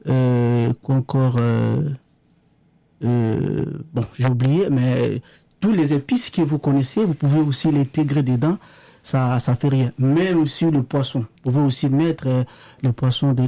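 Dark, dry-voiced Congolese man. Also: mid-range voice, dry recording. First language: Lingala. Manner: halting, many restarts and fillers. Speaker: guest sharing a recipe. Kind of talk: radio interview, casual explaining.

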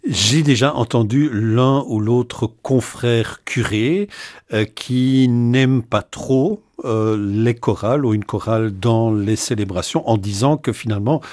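A man from German-speaking Belgium asks interview questions. He has a mid-pitched voice and a friendly, lightly laughing manner. The sound is dry and close. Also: takes it slowly, a little mellow, no room sound.

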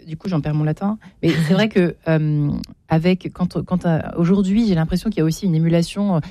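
A woman hosting an interview, asking halting questions with many restarts. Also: on the low side, steady tone, warm tone, dry recording. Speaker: interviewer, host. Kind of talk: interview conversation.

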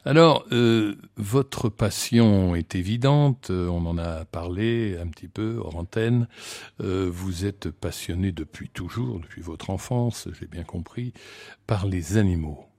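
A man hosting a radio interview, often pausing on filler sounds as he asks his questions. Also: low voice, darkish tone, no echo. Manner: hesitant, many filler sounds. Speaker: radio host. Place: radio studio.

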